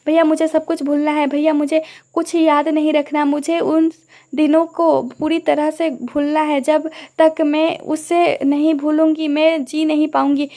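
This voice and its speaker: A woman's voice: high-pitched, little pitch movement, a little slow, mellow. A woman narrator voicing a fragile, grieving young woman who speaks in a sobbing, pleading way. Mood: tearful pleading.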